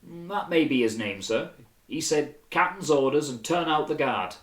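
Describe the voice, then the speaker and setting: A man playing a nervous, stiff marine corporal in an audiobook, halting and deferential. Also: fairly high pitch, animated, echoey room, pitched above the performer's own voice, close to an everyday voice.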